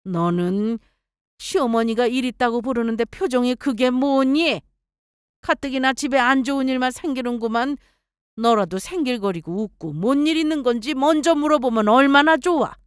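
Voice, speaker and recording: A woman's voice: high-pitched, normal speed, clean tone, no room sound, pitched above the performer's own voice, natural voice. A woman voicing a domineering middle-aged mother-in-law who scolds imperiously, in a dry, close storytelling recording. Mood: scolding.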